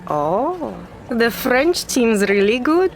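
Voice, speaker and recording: A woman playing a friendly young female tourist in a slow, clearly spoken lesson dialogue. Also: fairly high pitch, big pitch swings, exaggerated voice.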